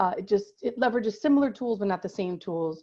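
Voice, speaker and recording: Lively intonation marks this fairly quick delivery. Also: woman, quiet background. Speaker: legal aid technology presenter. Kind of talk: webinar presentation. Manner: fast.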